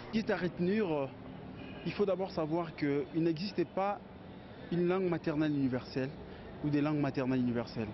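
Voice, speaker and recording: Speaking at a fairly quick pace with long, frequent pauses, a man keeps a fairly high pitch, ordinary pitch variation and very even loudness. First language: Lingala (speaking French). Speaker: street interviewee. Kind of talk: vox pop interview.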